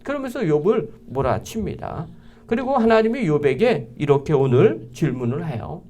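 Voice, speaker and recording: A male pastor preaching a sermon in church, reading scripture aloud and acting out quoted lines, sometimes dropping to a hushed whisper. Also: fairly high pitch, sing-song, normal speed.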